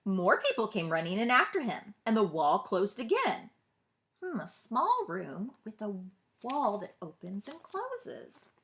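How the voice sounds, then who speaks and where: A woman narrating a children's story as a librarian, expressively, pausing to put questions to young listeners. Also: medium pitch, huge pitch swings, a bit bright. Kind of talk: children's read-aloud narration.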